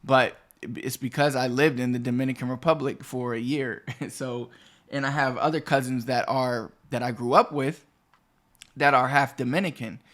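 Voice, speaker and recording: Man teaching spanish to camera, chatty, wanders off topic, mid pitch. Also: fairly even intonation, moderate pace, fairly bright tone. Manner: chatty, digressive, restarts phrases. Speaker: Spanish teacher and channel host. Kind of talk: explaining a language lesson to camera.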